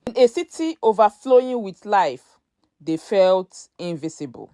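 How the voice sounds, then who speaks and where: A woman narrating a scripted story in a measured, dramatic storytelling manner. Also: mid-range voice, lively intonation, mellow, no room sound, studio quality.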